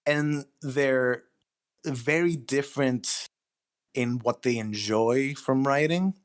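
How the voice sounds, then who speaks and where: A man with a medium-pitched voice talks casually in an interview. He comes across as a guest author speaking off the cuff in an ordinary conversational way. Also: slow, clean tone. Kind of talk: casual interview chat about writing.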